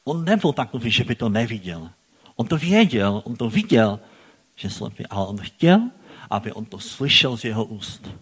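Husky-voiced man preaching conversationally. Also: medium pitch, sing-song. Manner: conversational, asks the congregation questions, repeats phrases. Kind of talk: sermon.

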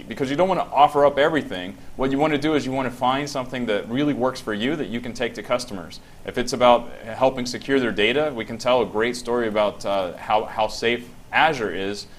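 A man on a business panel telling a personal story and giving encouraging advice, with frequent restarts. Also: lowish voice. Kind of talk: casual panel talk.

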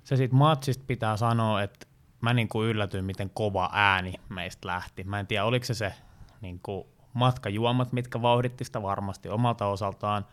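A man hosting a casual fan podcast, telling a story with many fillers in a lively, rambling way. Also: on the low side. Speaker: podcast host, fan group organizer. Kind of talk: casual chat, anecdote telling.

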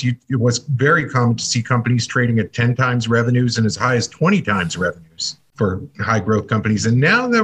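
A man giving measured expert commentary as a guest analyst on a podcast. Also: mid-range voice, fairly bright tone. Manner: measured, clear explanations.

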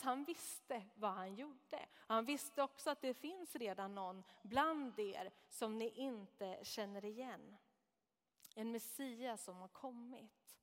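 Reflective Swedish-speaking woman in a reverberant hall. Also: fairly high pitch. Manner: measured, reflective, explanatory. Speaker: Bible teacher. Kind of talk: scripture reading and commentary.

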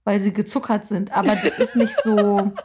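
A woman's voice: mid-range voice, moderate pace, background noise. A woman from northern Germany hosting a podcast, chatting casually with slangy enthusiasm. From Kiel, northern Germany. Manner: slangy and enthusiastic, animated anecdotes. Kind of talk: casual chat.

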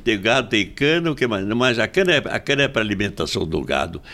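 Man, 90s, Brazilian accent, gravelly, low-pitched, repeats himself, interview guest. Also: very animated, quick pace, sharp tone. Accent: Brazilian Portuguese. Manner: tag questions, frequent repetitions and restarts. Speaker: interview guest, retired agronomist. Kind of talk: casual chat.

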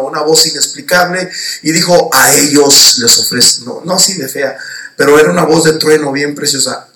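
A male preacher giving an emphatic sermon in a church hall, rising to shouts at its peaks. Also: high voice. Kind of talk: sermon with personal testimony. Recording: roomy church sound from a distant mic.

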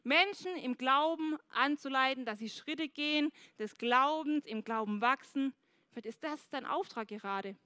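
Female preacher, high bright voice, dry close sound; lively sermon delivery, addresses the congregation directly. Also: normal speed, no room sound. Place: church service.

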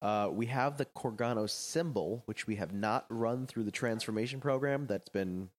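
A man's voice: medium pitch, normal speed. Man, podcast co-host, casual chat, wry and dry recaps.

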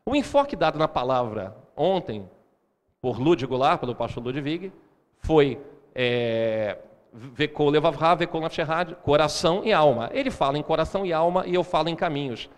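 A man preaching a sermon, lively and often turning questions to the congregation. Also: fairly high pitch, normal speed. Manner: animated, asks the congregation questions. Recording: hall reverb.

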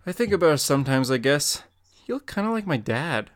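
A man's voice: on the high side, big pitch swings, brisk, no echo, clean studio sound. A man voicing a shy, hesitant young boy in an amateur comic reading.

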